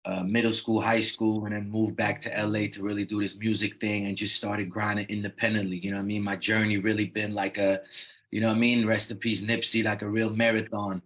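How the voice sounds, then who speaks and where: Low, flat-voiced laid-back male rapper. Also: fairly quick. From Netherlands. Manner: laid-back, loose with many "you know what I mean" fillers. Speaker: rapper guest. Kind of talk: casual interview talk.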